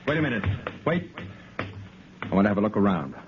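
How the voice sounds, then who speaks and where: An actor playing a brave cavalry lieutenant in a 1950s radio drama, giving brisk orders in a commanding way. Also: male voice, lowish voice, very animated, faint music behind. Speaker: narrator and lead. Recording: dull old radio broadcast.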